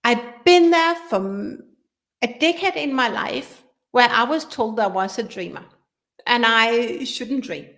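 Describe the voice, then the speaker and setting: Woman, unhurried delivery, slightly raised pitch, earnest coaching talk. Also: lively intonation, a bit bright. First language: Danish. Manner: earnest, repeats and restarts phrases. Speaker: business coach. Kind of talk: live workshop talk.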